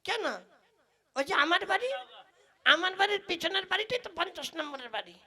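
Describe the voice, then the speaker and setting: Woman playing a high, cheeky village tea seller man. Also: animated, fairly quick, bright, forceful tone, exaggerated voice. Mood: scolding, indignant. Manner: exaggerated, teasing, long-winded. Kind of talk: comic Bengali folk puppet play.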